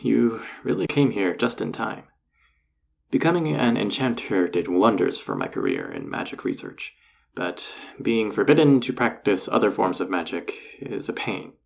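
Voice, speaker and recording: A man playing a flirty, self-assured enchanter boss in an audio roleplay, teasing and coaxing the listener in a husky, gravelly voice. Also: fairly low pitch, big pitch swings, normal speed, heavily acted. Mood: friendly, businesslike. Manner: teasing, coaxing, casually confident. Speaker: voice actor. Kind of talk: intimate scripted audio roleplay addressed to the listener.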